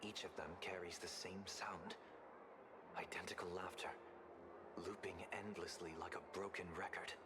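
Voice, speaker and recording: A man voicing a solemn, courteous game character with polite, measured, articulate speech. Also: deep voice, steady tone, natural voice. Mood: composed, solemn. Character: composed, courteous, solemn man who senses minds. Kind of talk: video game voice acting. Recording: clear background noise and ambience.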